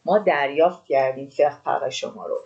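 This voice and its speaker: A Persian-speaking woman teaching beginner French, reading example lines slowly and explaining fast. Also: low-pitched, darkish tone, muffled recording. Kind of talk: language lesson for beginners.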